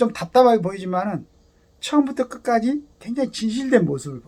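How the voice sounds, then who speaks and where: A man's extremely high-pitched voice with a dark, mellow tone, very wide pitch swings and a fairly slow pace. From Jeolla region, South Korea. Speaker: YouTube commentator. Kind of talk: solo commentary monologue. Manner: hesitant, many filler words.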